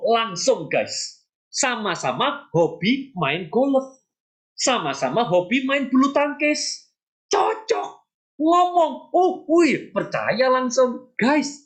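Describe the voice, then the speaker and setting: A woman speaking as a business mentor in a motivational sales training talk, emphatic and chatty, putting rhetorical questions straight to her listeners. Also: on the high side. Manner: acts out short sample dialogues.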